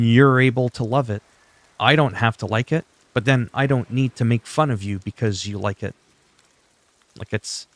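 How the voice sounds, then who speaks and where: Male streamer, French native, chatty and opinionated, medium pitch, dry and close. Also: dry recording. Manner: chatty, opinionated, talks to chat. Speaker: gaming livestreamer. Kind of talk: casual livestream chat while playing.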